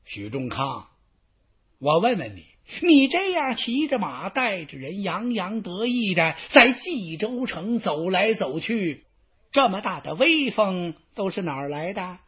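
A man voicing an arrogant, self-important male advisor who taunts in a husky, sneering tone. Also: high-pitched, very animated, measured pace, heavily acted. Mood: smug. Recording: dull lo-fi recording.

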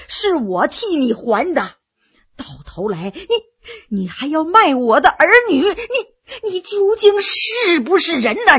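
A man's voice: very high voice, sharp tone, muffled recording, heavily acted. A woman voicing an old peasant father who stammers and pleads through tears, heartbroken at his wife's brother.

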